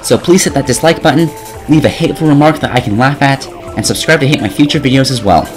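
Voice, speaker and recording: A man's voice: medium pitch, fast, over music. A twenty-year-old man narrating a scripted video game review in a sarcastic, opinionated way. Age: 20 years old.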